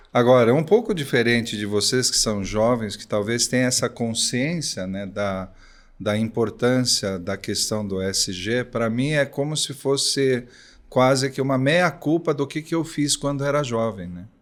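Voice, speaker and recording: On a very clean recording with a silent background, a man with a normal speaking voice speaks at a fairly slow pace, at medium pitch with ordinary pitch variation. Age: 60s. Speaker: company CEO. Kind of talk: podcast interview.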